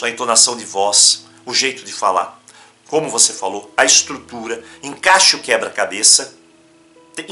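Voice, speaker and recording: Animated Brazilian man teaching over music. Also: medium pitch. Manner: animated, emphatic, breaks into demonstrations. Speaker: self-help teacher. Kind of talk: instructional talk to camera.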